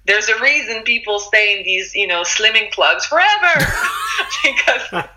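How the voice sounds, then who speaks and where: A woman's voice: unhurried, poor audio. A woman from Morocco, an author speaking earnestly and encouragingly in a casual interview. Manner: earnest and encouraging, animated rises in pitch. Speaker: author and guest.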